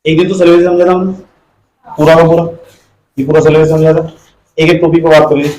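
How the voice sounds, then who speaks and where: A male teacher giving a classroom lecture, quizzing his students and scolding them to keep quiet. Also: a little high, little pitch movement, a little fast. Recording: echoey classroom.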